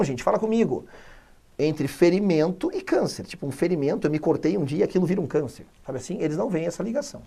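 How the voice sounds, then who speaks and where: Animated Brazilian teacher, lively pitch. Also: male voice. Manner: energetic, chatty, reads English slowly then explains fast. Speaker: English teacher. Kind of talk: exam-prep video lesson.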